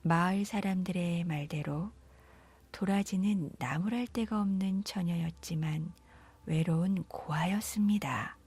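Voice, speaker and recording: Female narrator for children's folktales, very unhurried, breathy husky tone. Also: fairly low pitch, darkish tone. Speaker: storyteller.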